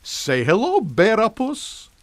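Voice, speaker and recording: An actor playing a genial, unflappable older scientist in a comic radio drama, with breezy, politely teasing manners. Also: male voice, high-pitched, huge pitch swings, slow, no echo, exaggerated voice.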